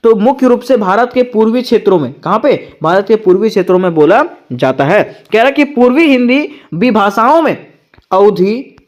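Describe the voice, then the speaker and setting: Speaking in a mid-range voice, a teacher delivers an exam-prep lecture from notes. Each point gets a plain-language explanation, then becomes a question for listeners that he or she goes on to answer.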